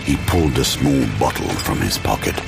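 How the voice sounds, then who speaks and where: A man narrating an action thriller audio drama in a scripted, dramatic style with measured pauses. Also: very deep voice, animated, vocal fry. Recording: loud music bed. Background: loud dramatic music.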